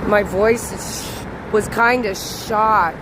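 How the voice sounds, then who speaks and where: A slightly hoarse woman chatting with her viewers as she walks a city bridge at night, greeting them by name. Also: mid-range voice, very slow. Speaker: livestream host. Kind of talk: live walking vlog chatting with viewers. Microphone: handheld camera on a gimbal. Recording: outdoor street recording with clear traffic noise. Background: traffic noise.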